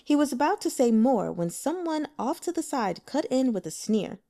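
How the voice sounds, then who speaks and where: A female audiobook narrator reads a story expressively. Her voice sits fairly high and moves with lively intonation through the scripted prose. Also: moderate pace.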